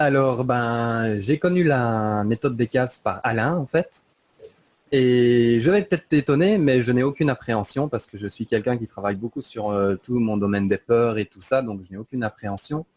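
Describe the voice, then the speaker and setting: A man talks in a medium pitch with ordinary pitch variation and big swings in loudness. The recording is dry and close, with no echo. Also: moderate pace. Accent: Belgian. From Belgium. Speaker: online seller of spiritual services. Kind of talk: interview.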